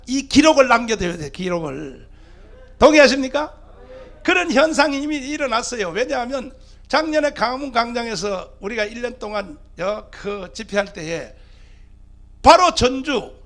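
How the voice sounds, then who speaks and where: A man's voice: extremely high pitch, creaky, fairly bright tone. A male pastor, giving an emphatic political rally speech full of rhetorical questions to the crowd. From Gyeongsang (TK) region of South Korea.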